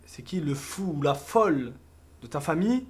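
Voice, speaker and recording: A man's voice: fairly high pitch, lively intonation, normal speed, darkish tone. A man bantering casually on a livestream, needling others with repeated questions. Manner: teasing, needling, repetitive questioning. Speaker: livestream co-host.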